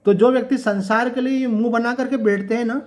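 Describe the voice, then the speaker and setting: A man giving a conversational devotional sermon, asking his listeners rhetorical questions and reciting couplets slowly. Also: extremely high pitch, fairly even intonation, darkish tone. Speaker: swami giving a Gita discourse.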